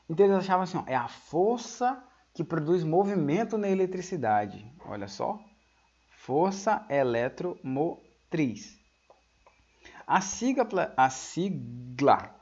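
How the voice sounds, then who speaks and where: A male physics teacher giving a classroom lecture, explaining patiently, checking whether the students follow, and dictating key terms slowly for notes. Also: a little high, darkish tone. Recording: dull lo-fi audio.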